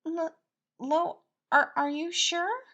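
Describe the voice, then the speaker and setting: A woman voicing a timid, sweet young man who speaks in a halting, pleading way, in a storybook reading. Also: extremely high pitch, fairly even intonation, a bit bright, pitched above the performer's own voice, full character voice. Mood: soft, hesitant.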